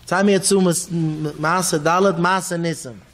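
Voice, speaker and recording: A man with a Hasidic Yiddish accent giving a sermon as a rabbi, telling stories with sudden swings in loudness and repeated words. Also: a little high, fairly even intonation, unhurried, big-room sound.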